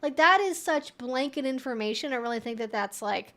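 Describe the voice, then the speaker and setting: A woman hosting a casual question-and-answer livestream, talking in an animated, emphatic way with conversational asides. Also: sits high, a little fast. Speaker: livestream host.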